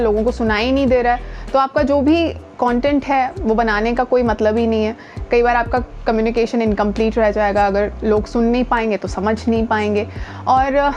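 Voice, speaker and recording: A woman's voice: on the high side, darkish tone. An Indian woman giving an informal lesson as a voice coach, speaking conversationally and emphatically, with English words mixed in. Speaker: voice coach and video host. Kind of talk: informal instructional talk to camera. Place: outdoors near the speaker's home.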